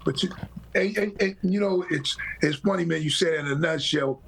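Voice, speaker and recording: Gravelly-voiced man telling stories. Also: a little high, normal speed, background noise. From Boston, Massachusetts. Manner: rambling, storytelling with quoted voices. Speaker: podcast host. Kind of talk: casual podcast chat.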